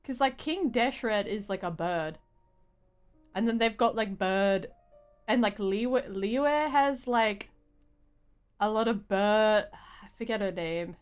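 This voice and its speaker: A young woman giving casual live game commentary, rambling and halting, with slangy phrasing. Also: medium pitch, clear, resonant tone, soft background music. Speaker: game streamer.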